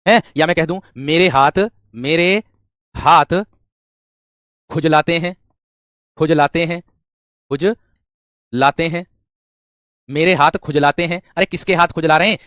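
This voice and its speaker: This is a man teaching a grammar class for exam candidates. He keeps asking questions and answering them himself, and he often repeats phrases. His voice sits somewhat high and is recorded dry and close. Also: a bit bright, no echo. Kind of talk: exam-prep grammar lesson.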